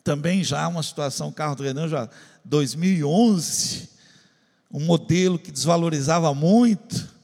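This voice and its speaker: A man's voice: a little high, normal speed, vocal fry, a little mellow, big-room sound. A man preaching a testimony to a congregation, telling a story and acting out his own prayers and conversations.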